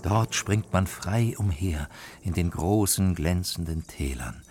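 Proud reindeer in a storybook, very low and unhurried, voiced by a man, music behind. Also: animated. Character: proud old reindeer from the far north.

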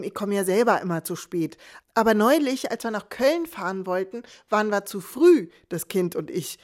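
A woman's voice: medium pitch, a little mellow. A woman in her thirties reading her own first-person story aloud in a dry, wry storytelling manner. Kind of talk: scripted first-person narration.

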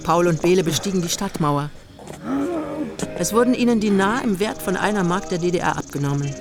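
A woman's voice: lowish voice, brisk, over music, natural voice. A woman acting as the storyteller of a literary radio play about a young couple's journey. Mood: composed narration. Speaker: narrator.

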